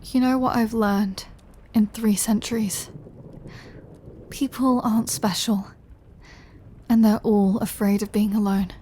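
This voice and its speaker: A woman playing a centuries-old vampire lover in an intimate audio roleplay, tender and brooding, speaking softly and confidingly and often dropping to a whisper. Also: medium pitch, steady tone, a little slow, pauses often, slight background noise, natural voice. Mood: brooding, honest.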